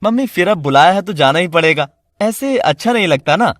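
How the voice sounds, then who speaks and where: A man's voice: high voice, lively intonation, a little fast, dry recording, studio quality. A man voicing a young husband who speaks firmly and matter-of-factly. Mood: defiant. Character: young husband, firm and defiant. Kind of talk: Hindi family drama voice acting.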